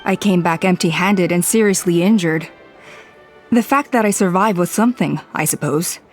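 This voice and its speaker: A woman playing an older tribal elder in a video game, a courteous, weary leader with a measured manner. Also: lowish voice, natural voice. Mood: rueful. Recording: music playing behind the voice.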